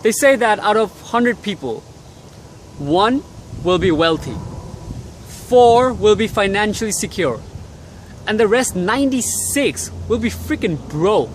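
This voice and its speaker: A young man from Bangladesh records a casual motivational vlog outdoors in the cold city air. He talks bluntly and swears freely, with a slightly higher voice than most men. Faint traffic hums behind him. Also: animated, unhurried. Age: young adult. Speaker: vlogger.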